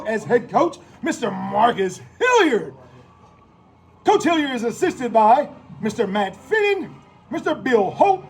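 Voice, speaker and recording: A man with an American accent working as a public address announcer at a football game, calling out lineups with theatrical, drawn-out names. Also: very high voice. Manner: theatrical, drawn-out name calls.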